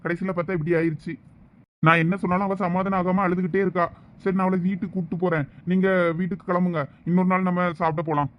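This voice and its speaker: A man's voice: high voice, flat delivery, natural voice. A young man acting a husband in a village comedy skit, soothing and pleading, on a slightly muffled recording. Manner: pleading, soothing, fast talk.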